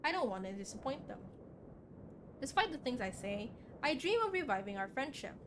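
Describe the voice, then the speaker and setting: A woman livestreamer reading a visual novel aloud in an animated way, with casual asides. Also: on the high side, moderate pace, background noise. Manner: animated, reacts and questions aloud as she reads. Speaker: game streamer. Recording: background music under the voice. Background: music.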